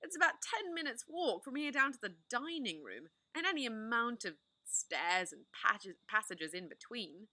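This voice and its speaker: A woman's voice: on the high side, sing-song, normal speed, hardly any pauses, sharp tone, no room sound, full character voice. A woman voicing an enthusiastic, confident eldest boy in a storybook reading. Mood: eager. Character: eager, bossy eldest boy.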